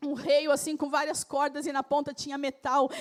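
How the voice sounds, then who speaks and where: A woman speaks at a high pitch. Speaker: pastor. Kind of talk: sermon.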